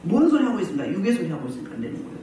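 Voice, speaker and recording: A woman pastor preaching a healing service sermon, animated, often putting questions to the congregation and laughing as she goes. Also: on the low side, racing, slight background noise. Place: church hall. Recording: very echoey hall, mic at a distance.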